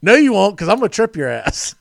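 A man hosting a casual sports talk show, animated and jokey, laughing often as he talks. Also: high voice, fairly quick, vocal fry, no room sound, studio quality.

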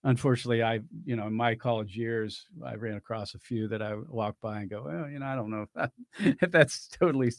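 A man hosting a talk show, with a chatty, conversational manner and a voice of middling pitch. He laughs easily and drops into soft, quiet asides. The sound is dry, with a close mic. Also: a little fast, no room sound. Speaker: radio talk show host. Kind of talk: conversational interview.

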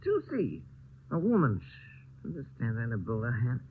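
Sozzled toff, lively slurred ramble, lo-fi old film sound. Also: male voice, medium pitch, normal speed, slight background noise. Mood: tipsy. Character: drunk upper-class Englishman, rambling and silly.

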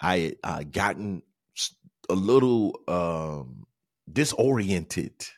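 A man's voice: low voice, animated, takes it slowly, dry recording, clean studio sound. A man with a Southern US accent hosting a casual solo podcast, thinking aloud and often stammering over repeated words. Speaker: podcast host and comedian.

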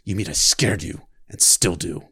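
A man voicing a scarred, hateful adult male warrior who speaks harshly and slowly in a low growl. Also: fairly bright tone, breathy edge, exaggerated voice. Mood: mocking. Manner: harsh, growling, slow and taunting.

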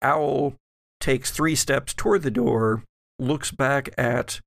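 Slow-paced gravelly man narrating a tabletop game. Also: mid-range voice, no echo, studio quality. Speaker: game master. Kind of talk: tabletop role-play narration.

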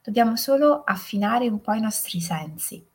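A woman hosting a guided reflection podcast who talks softly and often half-whispers. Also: medium pitch, lively intonation, normal speed, slightly rough. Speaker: podcast host.

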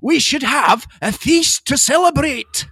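A man playing a humble, excitable Scottish settler in an amateur comedy play, exclaiming theatrically and eagerly. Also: very high-pitched, unhurried, no echo, studio quality, exaggerated voice.

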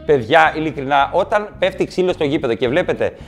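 Animated high-voiced male comedian. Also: soft background music. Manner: animated storytelling, switching into mock voices and gibberish. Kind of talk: stand-up comedy monologue.

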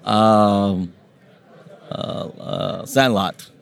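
A man's voice: lowish voice, extremely slow, creaky, clean tone. A man whose first language is Vietnamese, speaking as an interview guest in a reflective, conversational and somewhat hesitant way.

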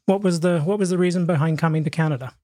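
A man's voice: on the high side, rapid-fire, a little mellow, no echo. Casting: male interview host, joking and rambling, with a dry, close sound. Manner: rambling, stumbling restarts, jokey. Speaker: podcast host. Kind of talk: casual interview chat.

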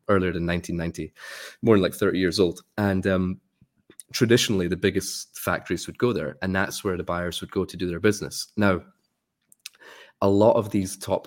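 A man from Scotland, a guest in a casual interview, explaining things in friendly, upbeat lists. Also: low-pitched. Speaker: guest, sourcing expert.

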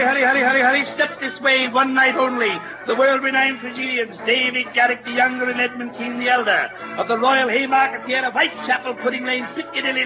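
A man voicing a grandiose, self-pitying old con-man actor with a pompous, theatrical manner, in a 1940s radio play. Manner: booming carnival barker when drumming up crowds. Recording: dull lo-fi old radio recording with music.

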